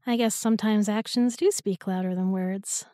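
A woman's voice: medium pitch, steady tone, normal speed, dark tone, dry recording, close to an everyday voice. Woman acting a teasing young girlfriend, close dry sound. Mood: playful. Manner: playful, tender, coaxing, giggly. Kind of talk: intimate roleplay audio acting.

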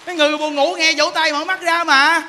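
A man, a Buddhist monk giving a sermon in a lively, joking way and often asking his listeners "right?". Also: very high-pitched, fast talker. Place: temple lecture hall. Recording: reverberant hall with faint background noise.

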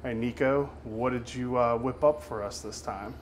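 A man's voice: medium pitch, steady tone, moderate pace, slight background noise. A man hosting a podcast, chatting in a friendly joking way with a guest chef. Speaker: podcast host. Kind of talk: casual interview chat.

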